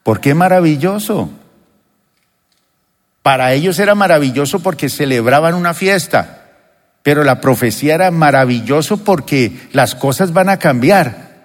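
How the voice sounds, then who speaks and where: Hombre predicando en una sala con eco. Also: male voice, a little high, lively intonation, normal speed. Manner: emphatic preaching, rhetorical questions to the congregation. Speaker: pastor. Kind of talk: sermon. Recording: long reverb of a church hall.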